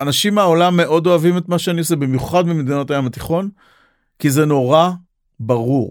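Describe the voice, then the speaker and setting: A man with a plain, everyday voice talks at a fairly high pitch with ordinary pitch variation. The recording is very clean, with a silent background. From northern Israel (Nahariya, Galilee). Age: 50s. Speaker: chef. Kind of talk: interview.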